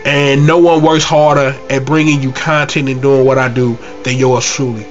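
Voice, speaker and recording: A man's voice: mid-range voice, level tone, moderate pace, lo-fi sound, faint music behind. A congested man hosting his own gaming channel, talking casually in a brash, trash-talking, slangy way. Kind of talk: casual gaming vlog outro.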